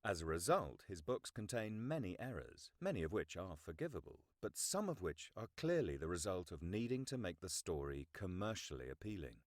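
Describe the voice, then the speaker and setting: A middle-aged man narrates nonfiction with a low-pitched voice and very varied intonation. His delivery is formal, articulate and measured. The sound is close and dry, with hardly any room in it. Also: very animated, no echo. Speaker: audiobook narrator. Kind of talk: scripted nonfiction audiobook narration.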